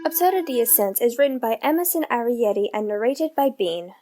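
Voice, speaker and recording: High-voiced woman reading credits over music. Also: animated, a little fast. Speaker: credits announcer.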